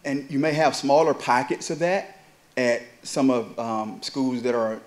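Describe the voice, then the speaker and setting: A man's voice: medium pitch, steady tone, measured pace. A man in his thirties, an honored alumnus who works at a charter school, answering onstage interview questions earnestly with many fillers and restarts, on a handheld mic in a university hall. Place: university event hall with audience.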